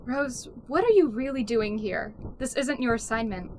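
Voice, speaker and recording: An actress as a guarded female secret agent in a wartime audio drama. She has a fairly high voice and a dry, wry, slightly exasperated delivery. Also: animated, moderate pace, slight background noise.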